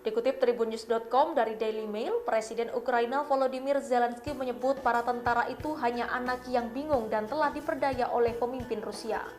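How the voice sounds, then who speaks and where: A woman's voice: on the high side, fairly even intonation, brisk, hardly any pauses, a little mellow. A woman with an Indonesian accent narrating a scripted news voice-over. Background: faint background music.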